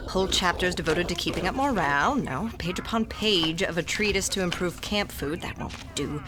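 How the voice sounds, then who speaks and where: A woman's voice: on the low side, animated, moderate pace, noisy background, lightly acted. A woman playing a shrewd, scholarly older classicist who tells tales and scolds her companions in a theatrical manner. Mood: scolding, musing. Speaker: narrator and lead character. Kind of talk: audio drama acting.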